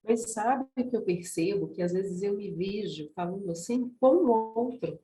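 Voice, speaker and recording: A woman's voice: mid-range voice, normal speed, dark tone, a little hiss or hum. Woman, chatty, video call, echoey room. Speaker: study group participant. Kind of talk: casual group discussion.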